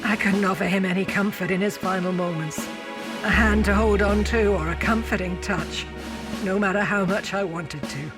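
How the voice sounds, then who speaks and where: A man's voice: high-pitched, steady tone, normal speed, close to an everyday voice. A man acting a weary captain of a doomed mining spaceship in a sci-fi audio drama, speaking with solemn, formal weight. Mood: grieving, sombre. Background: music under the voice.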